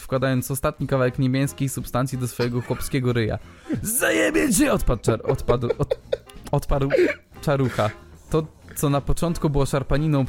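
A man co-hosting a podcast, reading listener emails aloud in a joking way and breaking into laughter as he goes. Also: mid-range voice. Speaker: podcast co-host.

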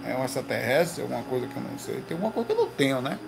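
A man hosting a casual livestream from his home, telling slangy, animated stories to his viewers. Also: medium pitch, rapid-fire, creaky, noisy background. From Recife, Brazil. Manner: slangy, animated storytelling with lots of "velho" and "cara". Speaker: livestream host. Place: home room.

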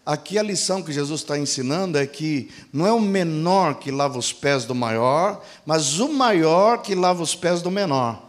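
A man's voice: lively intonation, moderate pace, few pauses. A preacher man asking and answering. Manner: asks the congregation rhetorical questions and answers them; acts out quoted dialogue with shifts in pitch and pace. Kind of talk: sermon.

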